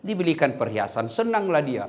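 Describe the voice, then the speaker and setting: A male preacher delivers a comic sermon, his fairly high voice swinging widely in pitch. He keeps the room engaged by switching between high, acted voices and low, quiet asides. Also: big pitch swings, normal speed, heavy background noise. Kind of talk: humorous sermon.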